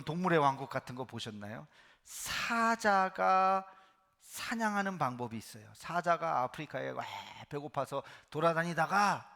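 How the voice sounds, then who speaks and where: Korean pastor guy preaching, bright voice, swings his pitch all over. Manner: animated storytelling, acts out biblical voices; drops to a soft hush for emphasis. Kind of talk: sermon. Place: church sanctuary.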